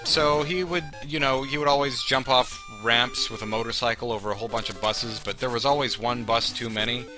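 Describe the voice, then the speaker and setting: A man's voice: mid-range voice, fairly quick, hardly any pauses, over music. A man giving humorous commentary on a video game in a wry, sarcastic manner with exaggerated reactions. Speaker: let's play host.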